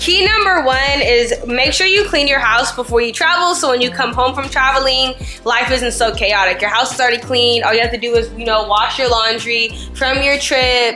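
A woman's high-pitched voice at a fairly quick pace with hardly any pauses, ordinary pitch variation and faint music in the background. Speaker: lifestyle vlogger. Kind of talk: casual vlog chat. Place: home room. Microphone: phone near.

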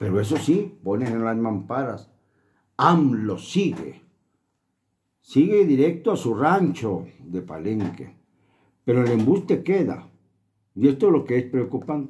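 A man's dark, mellow tone at a fairly slow pace, with very wide pitch swings and long, frequent pauses. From Mexico. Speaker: political commentator. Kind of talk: political commentary monologue. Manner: emphatic, indignant. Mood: critical, indignant. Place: home room. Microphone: webcam.

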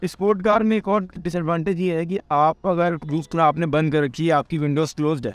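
A man talks at a moderate pace in a plain, everyday voice, pitched fairly high with ordinary pitch variation. The sound is dry and close, with no echo. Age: 20s. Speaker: YouTuber and fantasy cricket player. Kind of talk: casual interview.

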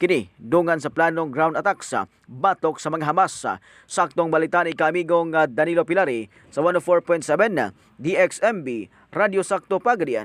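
A man with a high pitch talks at a fairly slow pace, his intonation lively. The sound is dry and close, with no echo. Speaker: radio newsreader. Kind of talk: radio newsreading. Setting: radio studio. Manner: formal.

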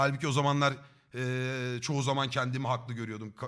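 On a very clean recording with a silent background, a man speaks in an animated tone that is bright and sharp. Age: 30s. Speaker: Twitch streamer. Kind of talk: casual chat.

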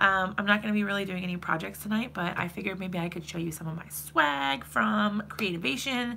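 This woman talks at a fairly quick pace with hardly any pauses, ordinary pitch variation and vocal fry, over light background noise. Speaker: craft channel host. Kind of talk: casual live-stream chat. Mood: amused, storytelling. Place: home room. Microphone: webcam.

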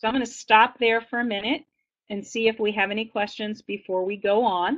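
A woman with an American accent talks at a fairly quick pace, her fairly high pitch held in fairly even intonation against a quiet background. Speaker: school superintendent; presenter. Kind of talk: webinar presentation. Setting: online webinar. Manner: fast. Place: home room. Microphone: webcam.

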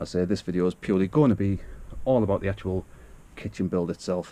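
This man talks at a very fast pace in a very deep, low voice. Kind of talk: tutorial. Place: garage. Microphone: helmet.

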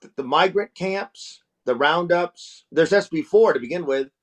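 Background sound is quiet. Ordinary variation shows in the pitch. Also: man. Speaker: radio guest. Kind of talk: interview answer. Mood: earnest, urgent political argument. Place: home room. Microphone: video call.

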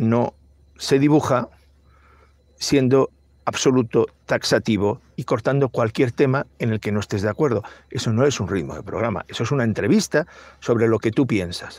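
A man at a medium pitch speaks at a moderate pace with lively intonation, on a very clean recording with a silent background and a dry, close sound with no echo. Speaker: YouTube show host. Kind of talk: monologue to viewers. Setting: in a parked car. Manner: halting.

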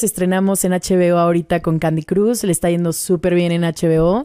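Over a quiet background, a woman talks at a fairly slow pace in a dark, mellow tone. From Mexico, Acapulco. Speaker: actress and comedian. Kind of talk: casual chat. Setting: studio. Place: studio. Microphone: studio mic.

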